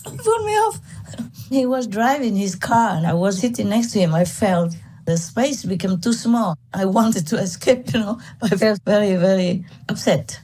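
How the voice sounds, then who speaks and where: A woman from Vietnam, a spiritual teacher, telling a personal story to her disciples in a candid, animated way and laughing often. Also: on the low side, breathy edge.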